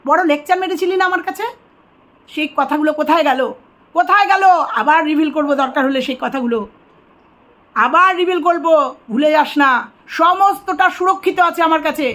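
A woman's voice: high voice, fairly quick, long pauses, bright, forceful tone. A woman delivering an angry, accusing monologue straight to the camera, repeating phrases for emphasis.

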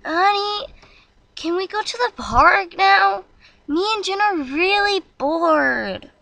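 A woman doing a high whiny little girl. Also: expressive, slow pace, gravelly, bright, forceful tone, no echo, heavily acted. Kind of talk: voice audition reading.

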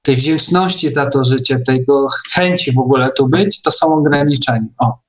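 A man's voice: medium pitch, moderate pace, slight background noise, rough recording. A man hosting an online meeting, talking casually and unscripted with frequent hesitations.

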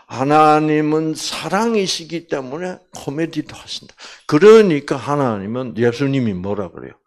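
Lively husky older lecturer. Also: male voice, medium pitch. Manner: animated, with many fillers and acted quotes. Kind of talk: Bible lecture.

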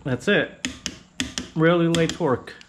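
A man hosting a casual how-to video, explaining a repair step by step in a relaxed, plainspoken way. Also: on the high side, slow, noisy background. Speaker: motorcycle channel host.

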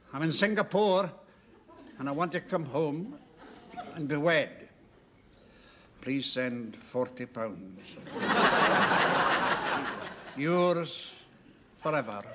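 A dour old Scottish man, tight with his money. He speaks in a slow, solemn drawl with a Scottish accent, pitched a little high. The recording is noisy with a steady hiss. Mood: tender. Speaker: comedy actor. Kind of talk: sitcom acting.

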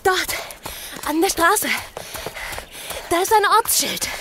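Actress as very high-voiced plucky girl. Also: very animated, slow, noisy background, full character voice. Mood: eager, uncertain. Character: plucky, practical young girl, loyal companion. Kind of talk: horror audio drama acting.

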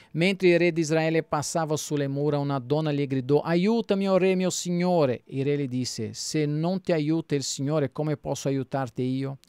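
A pastor reads the Bible aloud in a plain, steady manner, his voice a little high and smooth. Now and then he stumbles over a word and starts it again.

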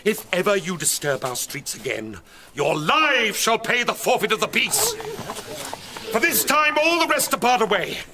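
A man's voice: high voice, sing-song, moderate pace, bright, forceful tone, exaggerated voice. A man playing an angry, stern prince, delivering commanding, formal proclamations in declamatory Shakespearean radio style. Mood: stern judgment. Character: stern, angry prince rebuking his brawling subjects.

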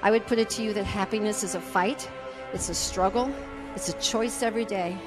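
A woman's voice: mid-range voice, a little fast. Older woman, motivational keynote speaker, handheld mic, emphatic, roomy reverb, faint music behind. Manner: punchy, emphatic, audience-addressing delivery. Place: large conference stage. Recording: roomy hall with long reverb.

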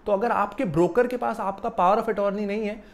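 A young man giving a lively explanatory video lesson about investing, seated in a small office and using a lapel mic. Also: high-pitched, normal speed. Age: young adult. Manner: animated, gestures while explaining. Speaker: finance educator.

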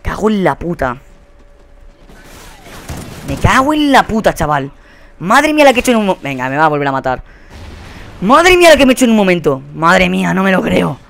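A young man with a Spanish accent commentating his own shooter gameplay, swearing a lot and quick to burst into angry shouts. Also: high voice, big pitch swings, gravelly, a little hiss or hum. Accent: Spanish from Spain. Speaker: gaming commentator. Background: faint gunfire from the game.

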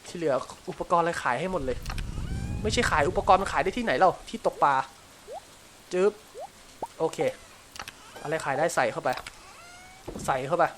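A man with a Thai accent giving casual, crude gameplay commentary, chatting to himself and shouting at the game when it frustrates him. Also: fairly high pitch, normal speed, pauses often, slight background noise. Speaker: gameplay streamer.

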